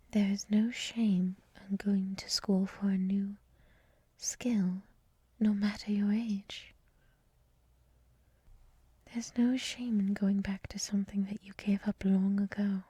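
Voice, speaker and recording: Woman acting as gentle wise monster lady, ASMR roleplay, very breathy whisper, dark mellow tone, soothing, encouraging, close-miked. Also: medium pitch, fairly even intonation, no room sound. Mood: soothing, reflective. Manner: slow, soothing, reflective, encouraging. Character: gentle, wise monster woman with many eyes, hotel resident. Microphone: close mic, dry.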